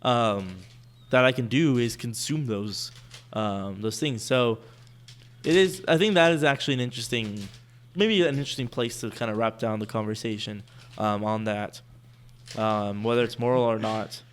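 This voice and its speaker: A man's voice: mid-range voice, moderate pace. A man co-hosting a podcast in casual chat, rambling and thinking aloud with many restarts. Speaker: podcast co-host.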